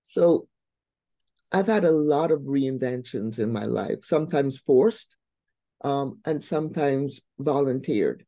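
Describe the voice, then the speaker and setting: A middle-aged woman from Barbados, a guest on a video call who tells her life story with warm, expressive emphasis. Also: rumbling low, takes it slowly, no room sound. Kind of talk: interview storytelling.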